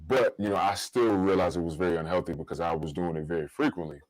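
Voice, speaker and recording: Podcast host: American male, low-pitched, dry studio-tight sound, informal and slangy, casual personal talk and advice. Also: steady tone, quick pace, no room sound, low-quality recording.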